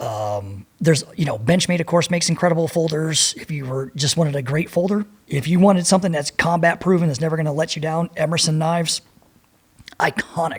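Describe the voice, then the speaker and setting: In a normal speaking voice, a man talks at a fairly quick pace and fairly high pitch with ordinary pitch variation. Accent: American. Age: 50s. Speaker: war veteran and knife maker. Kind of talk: casual chat.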